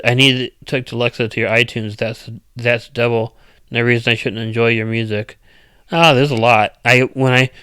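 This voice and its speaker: Guy rambling to his chat, loud strong voice, smooth and clear, dead dry sound, stops and restarts a lot. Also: medium pitch, no room sound. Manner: rambling, loud, uneven cadence, many restarts. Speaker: streamer chatting with viewers. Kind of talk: casual live chat.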